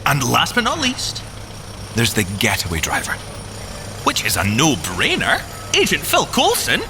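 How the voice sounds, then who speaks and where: An actor playing a boyish, excitable, boastful inventor agent in audio drama banter, with a theatrical delivery. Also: male voice, medium pitch, a little slow, gravelly, over music, full character voice. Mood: smug, playful. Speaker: agent and engineer character.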